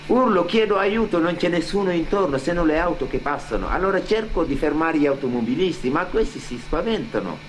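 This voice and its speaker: Deep-voiced Senegalese man over a loud hum. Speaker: actor and cultural mediator. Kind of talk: first-person testimony told on stage in radio theatre. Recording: loud mains hum and noise.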